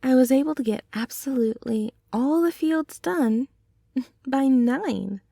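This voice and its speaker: A woman voicing a gentle, teasing centaur girlfriend in a soothing ASMR roleplay, with breathy murmurs and soft sighs. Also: high voice, measured pace, no room sound, studio quality, heavily acted. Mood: cheerful, chatty. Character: gentle, caring, teasing female centaur girlfriend, hardworking farmer.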